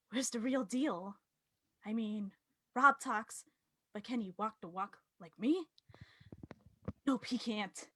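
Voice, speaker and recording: A woman playing an arrogant, combative royal prince wrestler in a staged promo reading, pompous and measured. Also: on the high side, a bit bright, no room sound. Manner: pompous, measured trash talk.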